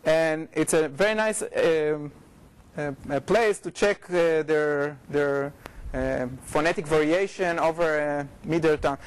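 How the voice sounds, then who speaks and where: A middle-aged man with an Israeli accent gives an informal academic talk, often halting, repeating and correcting himself. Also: on the high side, clear, resonant tone. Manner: informal, halting, frequent repetitions and self-corrections. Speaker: researcher giving a lecture. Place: lecture room, indoors.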